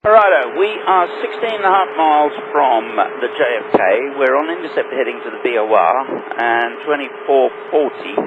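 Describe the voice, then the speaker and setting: Male pilot, mid-pitched, reporting position over a very narrow radio link with clear noise. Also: animated, moderate pace, hardly any pauses. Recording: tinny noisy aviation radio.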